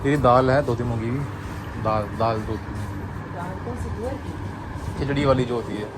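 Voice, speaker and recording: A young man talks casually to his phone camera for a daily vlog. He teases and jokes in easy banter, with a middle-pitched voice. Clear background noise runs under the recording. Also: fairly even intonation, measured pace. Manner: joking, teasing banter. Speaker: vlogger.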